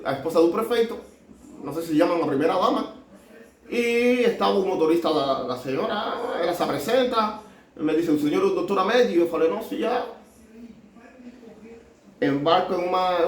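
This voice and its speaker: Cuban man, high voice, halting delivery with restarts, echoey room, mic at a distance. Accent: Cuban Spanish. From Cuba. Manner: halting, mixing Spanish and Portuguese, many restarts. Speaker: doctor telling his story. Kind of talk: casual storytelling.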